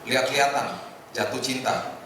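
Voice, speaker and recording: A middle-aged man preaching informally to a congregation in a conversational, joking way, with hesitant pauses. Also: mid-range voice, steady tone. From Indonesia. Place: large echoing indoor hotel hall. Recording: echoey hall, distant mic, noisy room.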